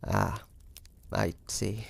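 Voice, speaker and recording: A man playing a proud, wary, sardonic hunter from the 1850s in an intimate audio drama, halting and full of breathy sighs. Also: on the low side, steady tone, exaggerated voice. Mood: grudging, puzzled. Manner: halting, breathy sighs, indignant then grudging.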